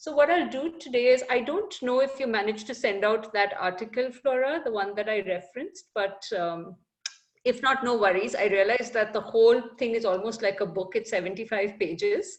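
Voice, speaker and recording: A fairly high-pitched woman with an Indian accent talks at a fairly quick pace with lively intonation. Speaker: behavioral scientist. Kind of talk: guest talk in online study group.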